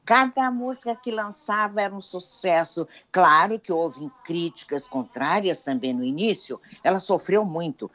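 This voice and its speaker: A woman's voice: lowish voice, expressive, moderate pace, few pauses, a bit bright. A woman co-hosting a radio show, telling stories about a singer with enthusiasm. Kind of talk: casual radio chat.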